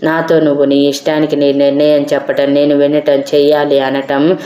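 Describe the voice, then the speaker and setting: A woman reading the lines of an angry, principled young man in an audio story, scolding slowly and emphatically. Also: deep voice, monotone, warm tone, natural voice. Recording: roomy echo.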